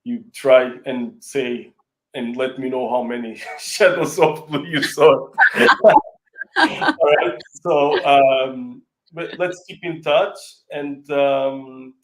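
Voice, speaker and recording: Over a low-quality video call, a man with a medium-pitched voice and a Portuguese accent chats casually in an interview. A native Portuguese speaker who heads a real estate company's operations in one country, he speaks haltingly, often pausing to find words, with frequent fillers and restarts.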